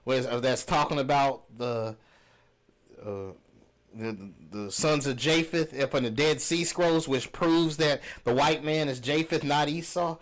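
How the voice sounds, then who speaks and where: Casual man reacting, mid-pitched. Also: a little slow. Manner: conversational, addresses viewers directly. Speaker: reaction video host. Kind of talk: casual commentary.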